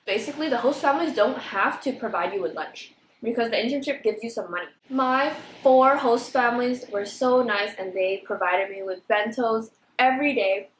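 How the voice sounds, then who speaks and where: A woman's voice: on the high side, normal speed, a little hiss or hum. A young woman chatting casually in an eating vlog, bubbly and talkative, filling her speech with "like". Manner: bubbly, chatty, says "like" often. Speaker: vlogger. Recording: echoey room.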